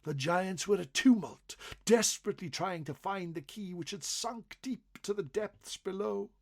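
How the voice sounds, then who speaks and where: A man narrating folklore as a storyteller, expressive and dramatic, swelling on phrases and dropping to hushed endings. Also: high-pitched, a little slow, gravelly. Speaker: storyteller reading a folklore article.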